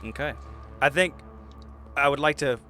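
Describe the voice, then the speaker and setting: A man with a bright, crisp voice banters as a player in a tabletop game, cracking jokes and cursing casually. Faint music sits under the talk. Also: on the high side, moderate pace. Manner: joking, laughs often, swears.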